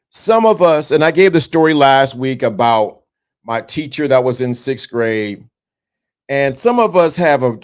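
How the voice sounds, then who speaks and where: The speaker, a man in his fifties hosting a live broadcast, has a medium-pitched, slightly mellow voice. His talk is motivational and preachy, directed at viewers, and keeps repeating its central points.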